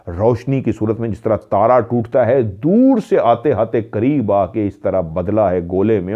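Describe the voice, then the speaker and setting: A man with a low voice narrates a paranormal tale. He raises his voice to mimic the calls of the people in it. The recording is dull and lo-fi. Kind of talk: storytelling narration. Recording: dull lo-fi sound.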